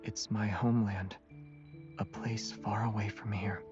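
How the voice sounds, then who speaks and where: An actor playing a calm young male alien hero who speaks softly, almost in a whisper. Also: on the low side, unhurried, lightly acted. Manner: soft, half-whispered, restrained. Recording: distant, muffled game audio with music.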